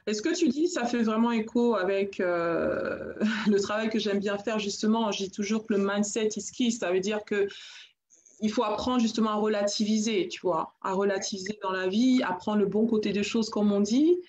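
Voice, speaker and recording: A French woman hosting a live chat show, talking in a lively, encouraging way and mixing in English phrases. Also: medium pitch, normal speed, dull audio, a little hiss or hum. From France. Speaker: host.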